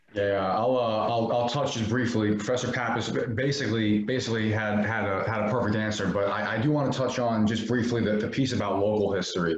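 A fairly low male voice with an American accent, fairly quick and fairly even in intonation, with audible room echo. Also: very even loudness. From Staten Island, New York; New York. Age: 20s. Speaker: documentary filmmaker; panelist. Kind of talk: panel discussion. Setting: video call. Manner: repetitive stammering starts. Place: home room. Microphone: video call.

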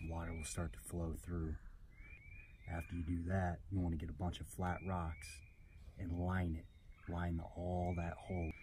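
Over noticeable background noise, a man with a very deep, low voice and a dark, mellow tone speaks at a moderate pace, somewhat breathy and monotone with flat intonation. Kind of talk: tutorial. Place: waterside.

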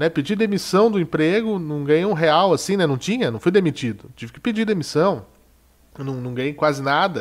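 Fairly quick and lively in intonation, a man talks in an ordinary speaking voice at a fairly high pitch, his loudness swinging widely. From Araraquara, São Paulo state, Brazil. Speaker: radio journalist and stand-up comedian. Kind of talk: interview.

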